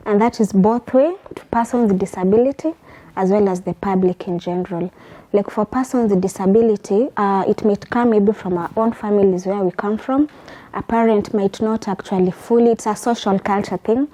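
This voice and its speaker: A young adult woman, a lawyer and advocate answering questions in a TV interview, explaining in a measured, earnest way. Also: medium pitch, warm tone. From Kenya.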